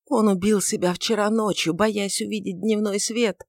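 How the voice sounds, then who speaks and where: A woman's voice: mid-range voice, fairly even intonation, moderate pace, no room sound, clean studio sound, pitched above the performer's own voice, lightly acted. A woman reading aloud and voicing a grown male apostle, anguished and desperate, in wailing, frantic outcries. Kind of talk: audiobook reading of a dramatic novel.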